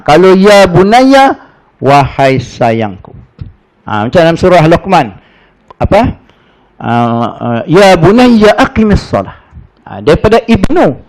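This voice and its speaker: A man's voice: sits high, a little mellow, rough recording. Chatty Malaysian man teaching a religious class. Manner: chatty, folksy storytelling with Arabic recitation.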